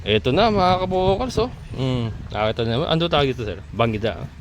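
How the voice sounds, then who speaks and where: A man vlogging a casual walking tour of a land development outdoors, chatty and quick to laugh as he points things out to his viewers. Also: a little high, very animated, crowd noise, low-quality recording. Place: outdoors at a rural lot by a road. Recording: outdoor phone recording with loud traffic noise.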